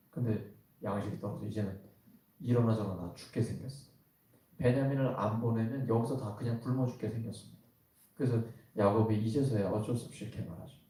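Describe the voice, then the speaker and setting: Mellow-voiced male pastor in an echoey hall. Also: mid-range voice. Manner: conversational preaching with rhetorical questions to the congregation. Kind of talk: sermon. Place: church worship hall. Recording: very echoey hall, voice from some distance.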